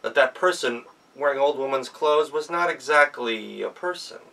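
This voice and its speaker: Male storyteller, lively swooping intonation, bright voice, animated folktale delivery, off-mic. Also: mid-range voice, normal speed, gravelly. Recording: voice distant from the microphone.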